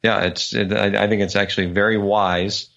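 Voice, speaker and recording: A man in casual conversation, speaking thoughtfully with many pauses and fillers. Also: lowish voice, little pitch movement, creaky, fairly bright tone, dull audio, slight background noise. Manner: hesitant, lots of fillers.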